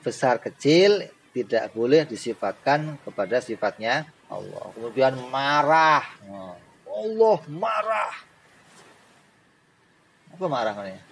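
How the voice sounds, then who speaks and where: Animated male religious teacher. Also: mid-range voice, gravelly, a little hiss or hum, rough recording. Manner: animated, rhetorical questions, joking asides. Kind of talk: Islamic theology lesson.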